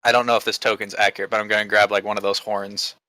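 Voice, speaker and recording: A man's voice: lowish voice, flat delivery, quick pace, sharp tone, dry recording. A man playing a tabletop role-playing game, describing his moves in casual, slangy chat.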